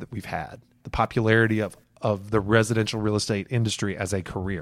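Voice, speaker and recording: A plain, everyday voice speaks at a fairly quick pace. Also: man. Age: 30s. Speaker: real estate broker and podcast host. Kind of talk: podcast monologue and sales coaching. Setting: studio, streamed live on social media.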